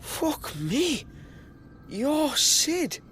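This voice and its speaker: An actor playing a defiant tribal chief in a video game, speaking earnestly and emotionally. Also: male voice, extremely high pitch, big pitch swings, extremely slow, fairly bright tone, full character voice. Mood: defiant, shocked. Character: desperate, defiant young tribal chief, male. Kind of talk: dramatic game dialogue. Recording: music behind.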